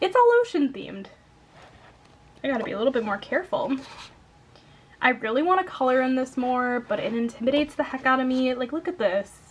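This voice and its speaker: Long, frequent pauses break up the speech of a woman with a high pitch and ordinary pitch variation. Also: fairly quick pace. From US Midwest, Wisconsin. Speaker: YouTuber, adult coloring channel. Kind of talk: casual vlog chat.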